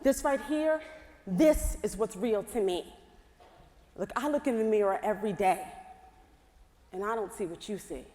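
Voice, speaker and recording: A woman's voice: mid-range voice, lively intonation, a little fast, a little mellow, close to an everyday voice. An actress playing a weary woman who has lost hope, speaking bitterly and defeatedly. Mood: despairing. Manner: bitter, defeated, rising to defiant. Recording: reverberant hall.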